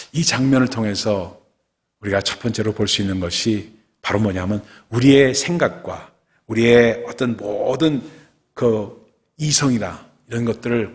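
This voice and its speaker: A man preaching a dawn prayer sermon as pastor, telling the story vividly and swinging between loud and hushed delivery. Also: fairly low pitch. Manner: storytelling, acts out quotes with sudden loud and soft swings. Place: church sanctuary. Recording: long church hall reverb.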